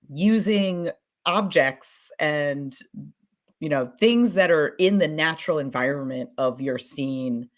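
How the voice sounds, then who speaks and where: A woman in a casual panel discussion, speaking as a podcast producer in informal, circling phrases. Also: low voice. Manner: informal, circling phrasing with many "you know" and "like".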